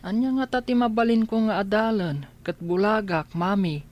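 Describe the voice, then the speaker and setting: A woman's voice: mid-range voice, moderate pace, darkish tone, close to an everyday voice. A woman voicing an earnest blind schoolchild who asks wistful questions.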